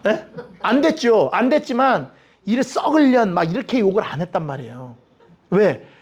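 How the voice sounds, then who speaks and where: A man's voice: high-pitched, normal speed, slightly rough, muffled recording. A man teaching a Bible study with humor, asking the audience questions and acting out the people he quotes. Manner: lively, humorous, acts out quoted voices.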